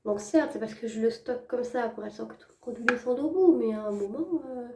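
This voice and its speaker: A woman's voice: on the high side, a little fast, background noise. A woman in her twenties chatting casually to her viewers, her voice stuffy and worn from a head cold, rambling with lots of fillers. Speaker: vlogger.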